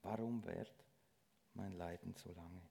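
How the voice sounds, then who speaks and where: A middle-aged man delivers a sermon in church. He speaks earnestly and haltingly, often breaking off and restarting his sentences. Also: sits low, steady tone, gravelly, warm tone. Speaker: lay preacher.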